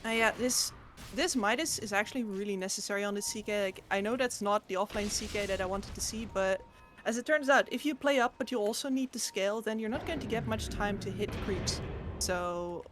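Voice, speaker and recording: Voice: mid-range voice, fairly quick, fairly bright tone, soft background music. An esports color commentator explaining hero and item choices in analytical commentary.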